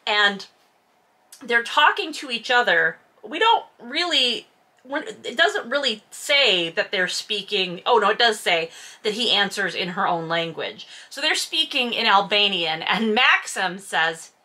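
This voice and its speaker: A woman's voice: medium pitch, animated, unhurried, pushed and bright. A woman hosting a casual read-along, giving mocking, exasperated commentary on a novel with sarcasm and some swearing. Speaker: host reading a novel aloud with commentary.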